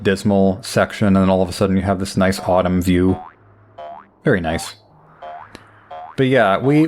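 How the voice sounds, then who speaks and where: This is a young gameplay commentator with a lowish, slightly mellow voice. He plays through the game making rambling, dry jokes at his own expense in casual let's play style.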